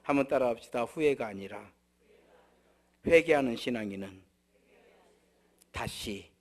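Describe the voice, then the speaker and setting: A man preaching a sermon as pastor, swinging between loud exclaiming and soft near-whispers, sometimes acting out blunt scolding voices. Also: mid-range voice, animated, measured pace. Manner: acts out blunt scolding voices in regional dialect. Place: church.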